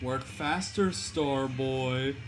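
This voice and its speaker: A man's voice: medium pitch, extremely slow. A young man livestreaming while he draws viewers' characters, chatting loosely with his chat. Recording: music playing behind.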